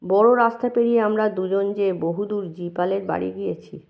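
A woman narrating a first-person memoir in a calm, measured and reflective way. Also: mid-range voice, creaky. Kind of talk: memoir reading. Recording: dull lo-fi recording.

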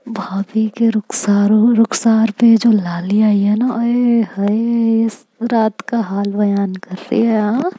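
A woman's voice: on the high side, measured pace, warm tone, breathy edge, dry recording. A woman voicing a mischievous young sister-in-law who jokes and teases, in a whispered role-play. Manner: cheeky, teasing.

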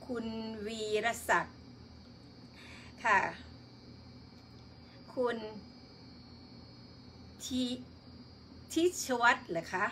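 A woman's voice: mid-range voice, extremely slow, pauses often, pushed and bright, a little hiss or hum. A woman hosting a live stream in casual chat, politely reading out and greeting her viewers one by one.

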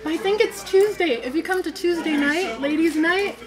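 A woman's voice: very high-pitched, normal speed. A woman casually reviewing food on a show, chatty and enthusiastic. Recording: crowd noise behind.

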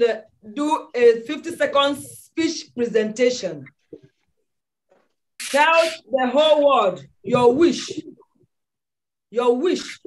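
On a video call from an indoor room, a Nigerian-accented woman directs students in an online audition class, giving commanding instructions and repeating her orders. Her voice is high, and the video call microphone yields a low-quality recording.

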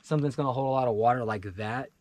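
A man's voice: mid-range voice, rapid-fire, no room sound. Chatty man explaining fishing gear outdoors. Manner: relaxed and chatty, many fillers and restarts. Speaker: fly fishing vlogger. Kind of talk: casual gear walkthrough. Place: outdoors in a wooded clearing beside a pickup truck.

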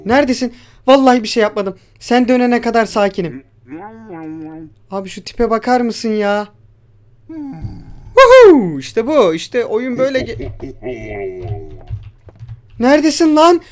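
A man's voice: extremely high pitch, normal speed, a little mellow. A young man giving casual let's-play commentary on a horror game, jumpy, swearing and talking back at the game's creatures. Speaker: gamer.

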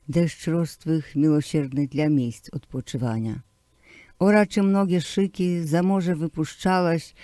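A man recites verse slowly and with feeling, his voice dark and mellow yet pitched a little high. He leans into key words with rising emphasis. The sound is close and dry, with no room around it. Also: no echo. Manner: slow, declamatory recital with swelling emphasis. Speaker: poetry reader. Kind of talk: poetry recitation.

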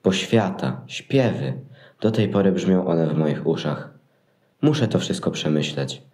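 A man's voice: sits low, expressive, unhurried, darkish tone, roomy sound. A man playing a lazy, fearful shepherd in a Christmas audio play, grumbling in a colloquial, dragging way. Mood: pensive. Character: lazy, fearful, reluctant shepherd who wants to sleep.

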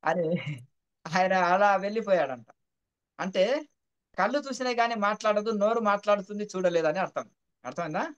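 A man's voice: high voice, lively intonation, normal speed, pauses often, smooth, muffled recording. A man, a spiritual teacher who explains his points patiently through a parable, repeating phrases and checking that the listener understands.

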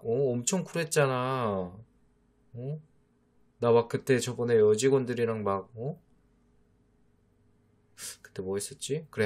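A man's voice: medium pitch, a little mellow, lightly acted. A man voicing a teasing boyfriend who coaxes and mock-scolds his jealous younger girlfriend, in a whispered role-play. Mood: coaxing. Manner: teasing, coaxing, mock-exasperated. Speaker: voice actor.

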